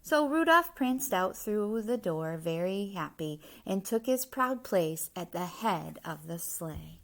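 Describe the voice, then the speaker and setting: A woman reads a children's storybook aloud in an expressive, emphatic rhyming delivery, pausing for explanatory asides. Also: medium pitch, creaky.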